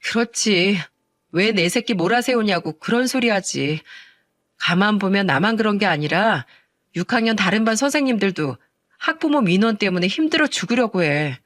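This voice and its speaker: A woman's voice: mid-range voice, lively intonation, moderate pace, dry recording, natural voice. A woman putting on a weary young female teacher, plaintive, complaining, dry recording. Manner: tired, complaining to her mother. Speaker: elementary school teacher.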